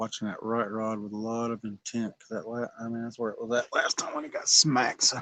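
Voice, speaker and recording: With a Southern US accent, a man speaks at a fairly quick pace in a bright, sharp tone and medium pitch, with hardly any pauses, big swings in loudness and fairly even intonation. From South Georgia. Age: 40s. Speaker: fishing livestreamer. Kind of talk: casual livestream chat. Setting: outdoors at night by water. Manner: relaxed.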